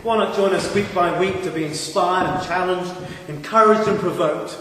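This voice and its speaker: A man's voice: high-pitched, normal speed, recorded from a distance, background noise. A Welsh man from South Wales, a pastor introducing a sermon series in an earnest voice with rhetorical questions, speaking in a large empty church. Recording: echoey church hall.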